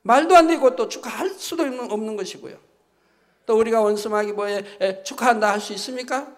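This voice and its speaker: High-voiced man preaching in a reverberant hall. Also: fairly quick. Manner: emphatic preaching with repeated "이 말입니다" tags. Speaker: pastor. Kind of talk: sermon. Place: church sanctuary.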